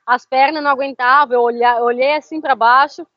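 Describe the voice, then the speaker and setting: High-voiced woman laughing through a story. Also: steady tone, brisk, no echo, highs cut off. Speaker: interview guest. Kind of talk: casual storytelling chat.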